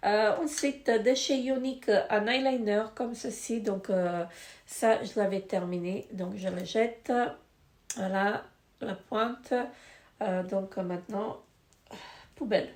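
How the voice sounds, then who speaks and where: A woman's voice: medium pitch, fairly even intonation, slow, darkish tone. Stuffy-nosed woman rambling about products, lots of ums, roomy sound. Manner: hesitant, many fillers. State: stuffy nose, congested. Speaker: beauty vlogger. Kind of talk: casual product review. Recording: echoey room.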